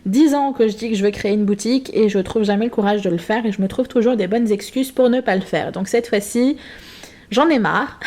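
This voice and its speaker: A woman's voice: medium pitch, darkish tone. A woman chatting casually to camera in her home craft room, rambling with many hesitations and a self-mocking tone. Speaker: craft vlogger. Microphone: built-in camera mic.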